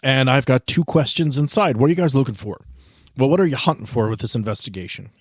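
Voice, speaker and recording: A man's voice: medium pitch, quick pace, husky, no echo, studio quality. A man narrating as game master of a tabletop game, describing scenes casually with asides and restarts.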